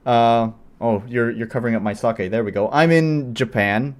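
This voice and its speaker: A man's voice: mid-range voice, moderate pace. American male, mid-range voice, casual livestream host and interviewer. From United States.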